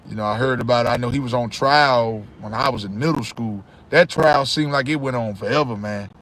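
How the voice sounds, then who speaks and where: A man's voice: medium pitch, a little fast, fairly bright tone. Laid-back chatty man in his thirties. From Charlotte, North Carolina. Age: 30s. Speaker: livestream host. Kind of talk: casual live chat reading comments.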